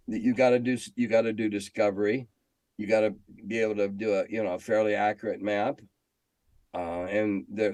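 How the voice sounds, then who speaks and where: An older American man with a fairly low voice talks as an interview guest. He is opinionated and emphatic, repeating phrases for stress as he tells stories. The sound is dry, without room echo. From United States. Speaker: interview guest, veteran game designer and editor. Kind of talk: conversational interview answers with storytelling.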